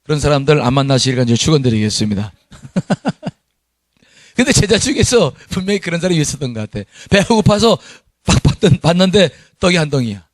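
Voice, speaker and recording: A middle-aged man preaching to his congregation, his fairly high voice swinging widely in pitch as he stresses his points. He reads scripture aloud and laughs at himself now and then. The sound is close and dry, with no room echo. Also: sing-song, a little fast. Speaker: pastor. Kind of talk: sermon.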